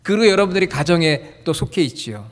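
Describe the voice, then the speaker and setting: A man's voice: fairly high pitch, expressive, quick pace. A male pastor giving a sermon in a church, friendly and joking as he quizzes the congregation. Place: church sanctuary. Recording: long hall reverb.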